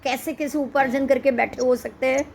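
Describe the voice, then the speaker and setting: Middle-aged woman, high pitch, scripture teacher who quizzes her class, faint background hiss. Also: fairly even intonation, vocal fry, darkish tone. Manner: explains slowly, keeps quizzing listeners. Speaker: religious teacher. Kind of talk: scripture lesson.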